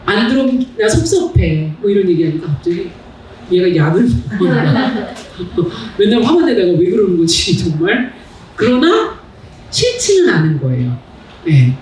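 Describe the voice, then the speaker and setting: A middle-aged woman giving a public lecture in a hall, animated and asking the audience questions. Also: fairly low pitch, normal speed, distant mic, slight background noise. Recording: echoey hall, mic heard from afar.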